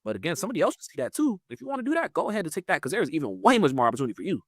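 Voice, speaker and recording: A man in his twenties, talking in a rambling, casual way, leaning on "like" with lively jumps in pitch. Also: racing, no echo, studio quality. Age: 20s. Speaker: guest. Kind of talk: casual interview chat.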